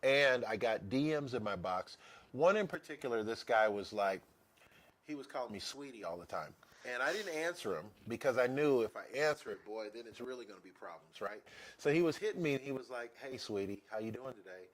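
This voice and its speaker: A man hosting a casual interview show, telling a story with lively, animated delivery and mimicked voices. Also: medium pitch, a little fast. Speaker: podcast host.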